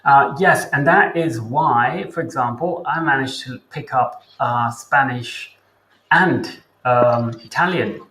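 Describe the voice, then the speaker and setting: A man who teaches English hosts a casual interview chat, talking in a chatty way and thinking aloud with pauses. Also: mid-range voice, bright, forceful tone, roomy sound.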